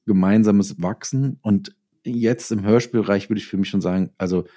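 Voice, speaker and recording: Male interview guest, middle-aged. Low pitch, dark relaxed tone, halting and thoughtful conversational delivery with frequent self-corrections. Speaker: interview guest, audio drama writer and author.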